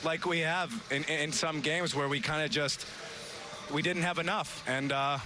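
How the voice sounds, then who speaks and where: A man's voice: on the high side, steady tone, normal speed. A man speaking off the cuff in a post-game basketball interview.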